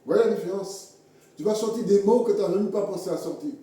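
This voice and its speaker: A man preaching a sermon in a halting way, repeating words and acting out little everyday scenes. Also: sits high, mellow. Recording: echoey hall from far off.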